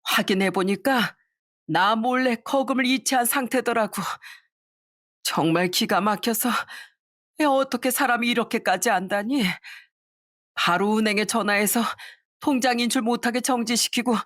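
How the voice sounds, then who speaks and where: A woman's voice: fairly high pitch, normal speed, a bit bright, dry recording, clean studio sound, pitched above the performer's own voice, lightly acted. A woman voicing an indignant older mother who scolds and sighs as she speaks. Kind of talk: storytelling voice acting.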